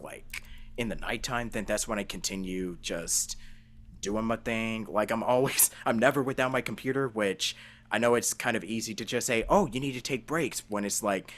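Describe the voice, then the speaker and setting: A man's voice: fairly low pitch, fairly bright tone. A man hosting a casual interview, talking in an informal, slangy, rambling way. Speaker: interview host and voice actor. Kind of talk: casual chat.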